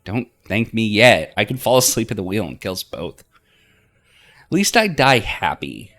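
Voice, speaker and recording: A man voicing a wry, teasing but soft-hearted young woman in visual novel dialogue, talking casually. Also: lowish voice, very animated, moderate pace, pitched above the performer's own voice, heavily acted.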